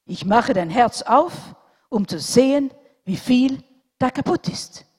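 A woman voicing a grown male surgeon who speaks loudly and forcefully. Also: a little high, expressive, brisk, slightly rough, pitched above the performer's own voice. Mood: stern. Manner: loud and forceful. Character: grown male surgeon, brusque then anguished. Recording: long hall reverb.

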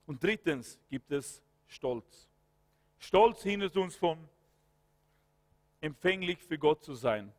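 A man's voice: a little high, animated, slow pace, long pauses, a little mellow. A man preaching a fervent sermon, breaking into prayer and peppering his points with hallelujahs and amens. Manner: breaks into spoken prayer and commands. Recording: long hall reverb.

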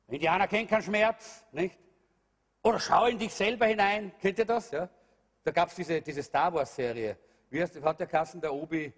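A man preaching a sermon with a strikingly high voice, calling out to his congregation. He swings between emphatic shouts and quiet, low asides. His voice rings with the long reverb of a large church hall. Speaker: pastor.

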